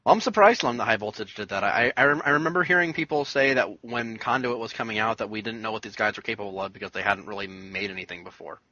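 A man's voice: fairly low pitch, fast talker, few pauses, sharp tone, no echo, muffled recording. A man on a casual podcast who talks through a quiz question aloud, hesitating and stammering with repeated words. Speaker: podcast panelist, quiz contestant.

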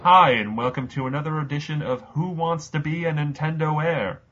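A man's voice: on the high side, a little fast, a bit bright, slightly rough, dull audio, faint music behind. A man hosting a casual podcast quiz game, rambling through the rules with lots of fillers. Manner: rambling, many uh fillers, loose explaining. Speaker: quiz show host.

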